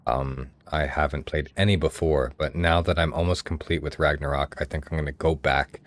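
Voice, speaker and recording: A man's voice: very deep voice, fairly even intonation, normal speed, no echo. A man from the United States chatting casually with viewers as he streams a game, swearing freely. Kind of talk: casual gameplay commentary.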